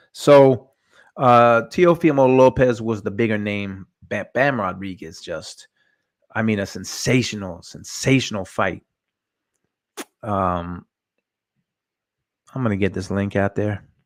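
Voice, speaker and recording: A man with a New Jersey accent, fairly low pitch, ordinary pitch variation, fairly slow pace and long, frequent pauses. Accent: New Jersey American. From New Jersey, US. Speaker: boxing livestream host. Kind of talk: casual commentary livestream. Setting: live stream. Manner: halting, repeats words.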